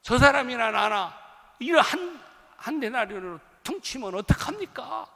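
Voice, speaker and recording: Man playing a furious laborer, yelling, high and gravelly, hall echo. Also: sing-song, normal speed, heavily acted. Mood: indignant shouting. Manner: shouting complaint. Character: angry grumbling male day laborer. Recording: long hall reverb.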